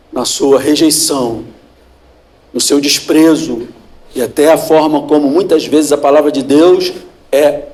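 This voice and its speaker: Slow, deliberate Brazilian pastor preaching. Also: male voice, medium pitch, darkish tone. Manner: slow, deliberate preaching with repeated phrases and rhetorical questions. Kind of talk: sermon. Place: church hall. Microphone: handheld or stand mic with feedback.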